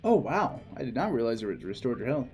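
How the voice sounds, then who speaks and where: A young man co-hosting a game playthrough, talking casually and haltingly, filling gaps with "like" and "um.". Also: medium pitch, sing-song, darkish tone. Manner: halting, hedging, lots of "like" and "dude". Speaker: co-host. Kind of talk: casual gameplay chat. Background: faint game music.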